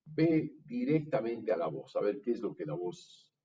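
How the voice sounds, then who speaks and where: A man with a Mexican accent, a music workshop teacher patiently coaching a student through a vocal improvisation exercise in halting, encouraging phrases. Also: medium pitch, big pitch swings. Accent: Mexican Spanish. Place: university music classroom. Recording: dull, distant room recording with faint noise.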